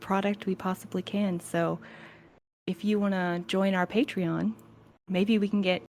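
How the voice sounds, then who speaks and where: A woman's voice: medium pitch, fairly even intonation, measured pace, darkish tone, slight background noise. A woman talking casually as a co-host on a podcast.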